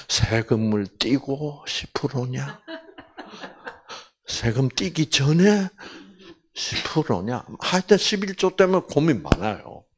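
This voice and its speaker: Lively husky older lecturer. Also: male voice, fairly low pitch. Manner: animated, with many fillers and acted quotes. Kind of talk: Bible lecture.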